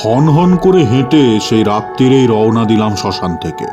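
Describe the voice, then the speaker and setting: A man's voice: mid-range voice, very animated, normal speed. A man storyteller giving a dramatic first-person narration of a horror story. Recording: music bed under the voice.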